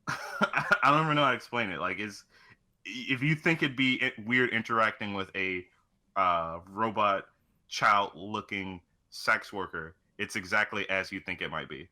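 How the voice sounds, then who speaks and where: A low-pitched man with a very bright, forceful voice, chatting loosely as a podcast co-host. He rambles through casual game talk and swears heavily. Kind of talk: casual chat about video games.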